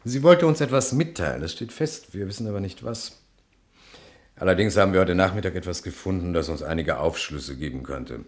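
Police detective, low voice, very lively intonation, courteous, hesitant, probing, radio crime drama. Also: male voice, brisk. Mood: calm, insistent. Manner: polite, hesitant, shrewdly probing. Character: courteous, probing French police detective, male, middle-aged.

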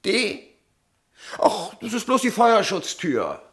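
A fussy office witness in a crime radio play. His voice is high and crackles with creak. He talks insistently, as if always protesting. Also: huge pitch swings, slow pace, a bit bright, heavily acted. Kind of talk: German crime radio drama acting.

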